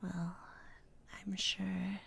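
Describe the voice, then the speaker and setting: Slow gravelly whispering woman. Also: on the low side, level tone, a little hiss or hum. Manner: soft unvoiced whisper, rambling and chatty. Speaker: streamer. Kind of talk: whispered ASMR-style stream chat.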